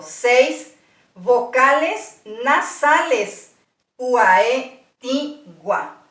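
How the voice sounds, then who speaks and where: Slow, patient woman teaching, echoey room. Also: a little high, a bit bright, recorded from a distance. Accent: Paraguayan Spanish. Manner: slow, patient, spells out sounds one by one. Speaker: language teacher. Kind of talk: slow, deliberate language lesson.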